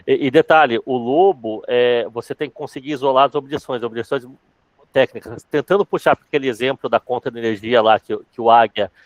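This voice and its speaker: A man teaching sales in a casual live class, talking fast and eagerly, often restarting his sentences. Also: medium pitch, no echo. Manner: fast-talking, calls himself accelerated. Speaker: sales trainer.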